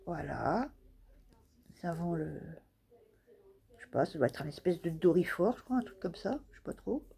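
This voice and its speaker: A woman's voice: on the low side, expressive, normal speed, creaky, mellow, husky. A woman casually showing craft stamps in a vlog, talking hesitantly with many fillers and laughing at her own guesses. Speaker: scrapbooking vlogger.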